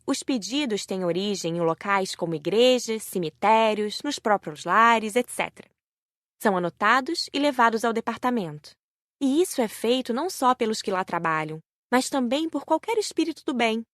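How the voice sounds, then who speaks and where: A woman narrating a scripted audiobook story in the first person, with measured, careful enunciation. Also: on the high side, lively intonation, a bit bright, dry recording, studio quality.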